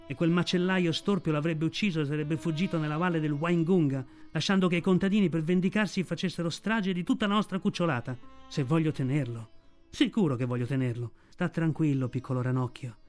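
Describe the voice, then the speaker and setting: A man voicing a fierce, protective mother she-wolf, raising his voice high for her. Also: brisk, darkish tone, faint music behind, close to an everyday voice. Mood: passionate, then tender. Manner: fierce, defiant.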